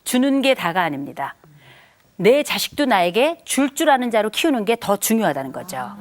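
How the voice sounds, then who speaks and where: A middle-aged woman giving a lively lecture on family life, chatty and animated, slowing down to stress her key sayings. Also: mid-range voice. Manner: animated, acts out quoted speech, chatty asides; slows down for key maxims.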